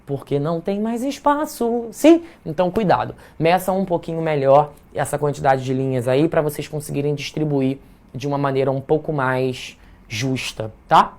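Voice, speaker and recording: A Brazilian man teaches a live online writing class in a chatty, playful style, constantly checking in with his audience and tagging remarks with "tá?". His voice is fairly high and darkish, at a normal speed.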